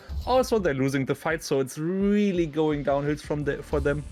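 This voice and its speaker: A man with a slight German accent at a moderate pace, music in the background. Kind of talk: live commentary.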